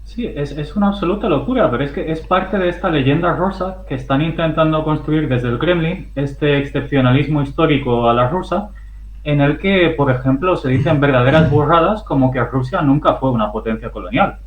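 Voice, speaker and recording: A man hosting a conversation, arguing his points in an emphatic, measured way. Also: on the high side, slight background noise. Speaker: host. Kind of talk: casual conversation. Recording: dull roomy audio.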